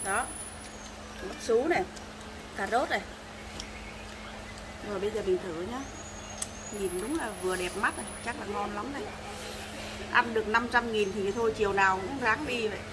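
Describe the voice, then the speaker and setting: A woman's voice: medium pitch, moderate pace, long pauses. A woman in her thirties co-hosting a food vlog, chatting casually as she eats. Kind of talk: casual chat while eating. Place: small open-air restaurant. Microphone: camera across the table. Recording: noisy eatery ambience, traffic.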